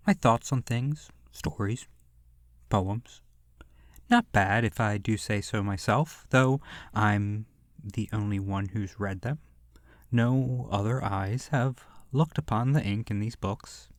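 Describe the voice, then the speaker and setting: A man's voice: fairly low pitch, no echo, clean studio sound. A man voicing a sadistic, bored immortal vampire in a horror roleplay audio, languid and condescending, with theatrical delivery that slips into whispers.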